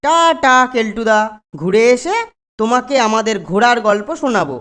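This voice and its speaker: A woman's voice: fairly high pitch, lively intonation, normal speed, a bit bright. A woman voicing a cautious but cheerful young boy sidekick in a children's cartoon.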